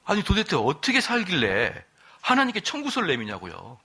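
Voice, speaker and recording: A middle-aged man preaching at an evening church service with a bright, ringing voice that pitches a little high. His delivery swings widely in pitch as he quizzes the congregation and slips in quick asides. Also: huge pitch swings, slightly rough. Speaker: pastor. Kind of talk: sermon.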